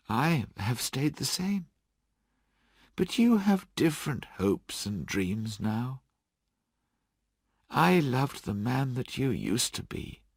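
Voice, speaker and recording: A man voicing a sorrowful young woman who speaks softly and sadly. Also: medium pitch, gravelly, dry recording, clean studio sound, pitched above the performer's own voice, full character voice. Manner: soft, sad, measured speech.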